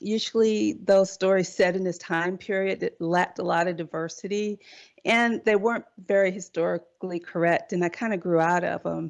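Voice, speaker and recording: In a Southern US accent, a woman speaks at a moderate pace and medium pitch, with ordinary pitch variation. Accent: Southern American. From Deep South, USA. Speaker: novelist. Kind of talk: interview answer.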